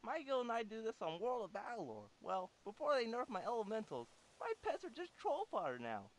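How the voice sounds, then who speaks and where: Very high, animated nerdy recruit. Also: male voice, a little fast, low-quality recording. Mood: eager. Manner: speaks in gamer slang. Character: nerdy young male online-gamer recruit, naive and eager.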